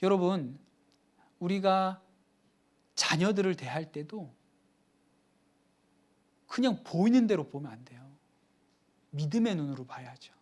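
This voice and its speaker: A man's voice: sits high, animated, a little slow, pauses often, darkish tone. A middle-aged man preaching a sermon as pastor, earnest and emphatic, acting out quoted dialogue.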